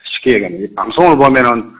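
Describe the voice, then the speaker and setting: A middle-aged man speaking a Korean regional dialect, phoning in to a live stream and rambling haltingly, often repeating himself. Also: mid-range voice, animated, a bit bright, low-quality recording. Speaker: caller. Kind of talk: phone-in advice call.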